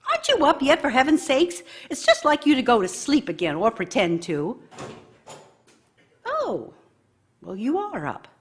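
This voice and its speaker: A woman's voice: high voice, wildly swooping pitch, a little slow, long pauses, heavily acted. An actress playing a bitter, nagging wife in a radio drama, scolding her idle husband with theatrical sarcasm and scorn. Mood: cold, scornful. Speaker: actor in a radio play.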